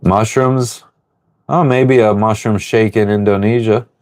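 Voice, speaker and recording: A man hosting a casual livestream from his sailboat, reading viewer comments aloud and rambling through relaxed answers. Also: on the low side, measured pace. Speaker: livestream host answering chat. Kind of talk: casual live chat. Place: on board a sailboat.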